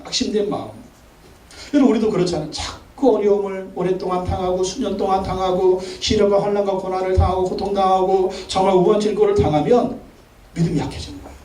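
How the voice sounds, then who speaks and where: A man's voice: high-pitched, steady tone, quick pace, mellow. A man preaching a Sunday sermon as pastor, making emphatic commanding declarations and repeating phrases for emphasis. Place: large church sanctuary. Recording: echoey sanctuary, mic from a distance.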